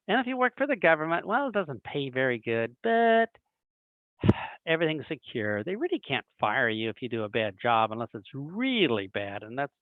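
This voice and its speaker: A man leads a recruiting training talk over a video call, acting out small exchanges as he explains. His voice sits a little high and swings up and down with animation. The sound is dry and narrow, like a phone line. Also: dry recording. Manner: animated, acts out little dialogues. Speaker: webinar presenter. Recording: dry tinny phone-like online call audio.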